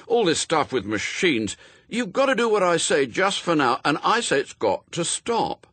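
A man's voice: a little high, very animated, moderate pace, a bit bright, no room sound, pitched above the performer's own voice. A man voicing a casual, self-assured young boy in a storybook, plain-spoken and a little bossy. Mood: firm, bossy.

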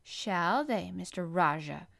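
A woman's voice: mid-range voice, moderate pace, close to an everyday voice. Woman acting a sour, obstinate little girl. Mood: fierce. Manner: fierce, contrary, unsympathetic. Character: stiff, sour, obstinate, spirited young girl.

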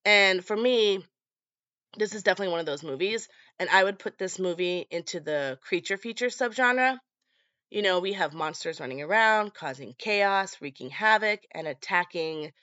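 A woman's voice: on the low side, fairly bright tone, no room sound, muffled recording. Stuffy, nasal woman with swollen-throat congestion. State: congested from allergies, sore throat. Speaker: podcast host. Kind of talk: casual scripted horror movie podcast.

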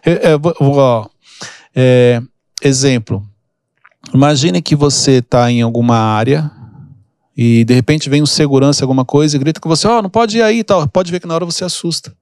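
A man's voice: medium pitch, moderate pace, darkish tone, clean tone, no room sound, clean studio sound. A man hosting a podcast, explaining emotional triggers through casual stories and acting out the people in them. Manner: storytelling, acts out quoted people. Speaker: podcast host and mentor. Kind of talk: casual teaching chat.

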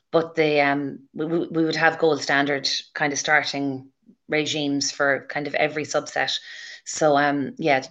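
A woman's voice: sits low, a bit bright. A woman answering interview questions as a clinician, earnest and explanatory, on slightly muffled audio. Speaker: haematology clinician interviewed as guest.

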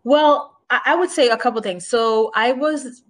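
A woman from Haiti who was raised in Boston, a former broadcaster and makeup artist, speaks reflectively as a guest in a conversational interview. Her voice is on the high side and unhurried, and she restarts many times.

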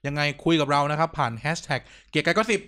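Fast-talking man co-hosting a chat. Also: fairly high pitch, a bit bright. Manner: quick, joking, teasing. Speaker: podcast co-host. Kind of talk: casual political chat.

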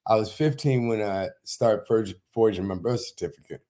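A man's voice: lowish voice, moderate pace, warm tone. An older man, a military veteran, telling stories as a podcast guest in a rambling way, full of fillers. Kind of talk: casual podcast interview.

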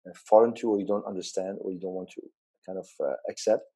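A man hosts an interview in a mellow, husky voice. He talks haltingly, with frequent pauses and restarts, and keeps checking in with his guest by adding tag questions. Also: low voice, fairly even intonation. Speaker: interview host. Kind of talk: conversational interview.

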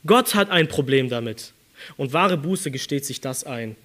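A man's voice: mid-range voice, expressive, moderate pace, a bit bright. A young man preaching a sermon in German, reading scripture with rising emphasis and explaining it earnestly.

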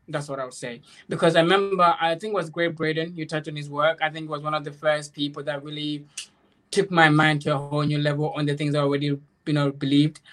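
A man's voice: fairly high pitch, fairly bright tone. A man in an informal spiritual discussion, explaining earnestly in a rambling way, repeating phrases and checking that he is understood. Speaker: guest, author.

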